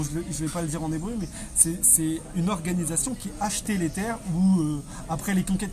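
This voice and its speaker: A man, an interview guest explaining history conversationally, often repeating and rephrasing his phrases. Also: sits high.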